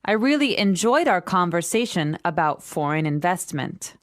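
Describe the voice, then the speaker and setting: A woman playing a friendly, easygoing businesswoman in a scripted language-lesson dialogue, with a standard American accent and cheerful, clear enunciation. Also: on the low side, very animated, moderate pace, no echo, clean studio sound. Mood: friendly, upbeat. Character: friendly, easygoing young businesswoman meeting an acquaintance.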